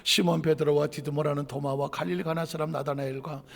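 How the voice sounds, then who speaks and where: Brief: male pastor, theatrical sermon delivery, high lively voice, gravelly, big church reverb. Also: fast talker. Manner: dramatic, swinging from loud to whispered.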